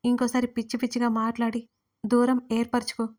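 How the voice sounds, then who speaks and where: A woman's voice: fairly high pitch, monotone, a little fast, a little mellow, faint music behind, natural voice. A woman voicing a serious, protective husband who speaks in a grave, stern way in an audio drama.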